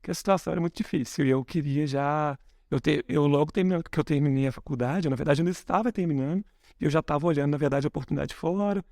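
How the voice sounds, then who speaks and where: A man around forty from Belo Horizonte, speaking as a guest in a casual podcast conversation, relaxed and thoughtful, often correcting himself mid-sentence. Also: fairly high pitch, fast, dry recording, studio quality. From Brazil, Belo Horizonte. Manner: relaxed, thoughtful, frequent self-corrections, chuckles softly. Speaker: guest, software engineer.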